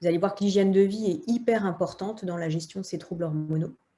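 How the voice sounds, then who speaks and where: Here a woman speaks in a dark, mellow tone. Her intonation stays fairly even. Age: 40s. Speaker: naturopath. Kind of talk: webinar presentation. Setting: online webinar. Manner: hesitant, many filler words.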